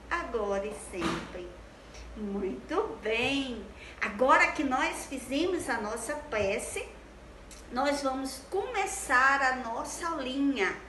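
A woman's voice: sits high, fairly bright tone. A Brazilian woman in her thirties teaching little children in a cheerful, exaggerated sing-song manner, recorded on a headset in a small room. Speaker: children's religious education teacher. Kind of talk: children's lesson addressed to little kids. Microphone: headset microphone. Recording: roomy echo, faint background noise.

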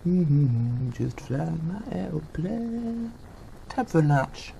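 A man's voice: fairly high pitch, very slow, vocal fry, a little hiss or hum, exaggerated voice, rough recording. A man doing a cheeky French monkey puppet. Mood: flustered. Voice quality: lively, sing-song puppet voice with French exclamations. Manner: jokey, rambling, flustered fibbing. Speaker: puppet news reporter. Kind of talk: comic puppet news segment.

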